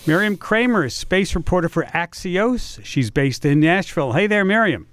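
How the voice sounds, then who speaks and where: A man hosting a public radio science talk show, speaking in an animated, lively way. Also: high voice, moderate pace.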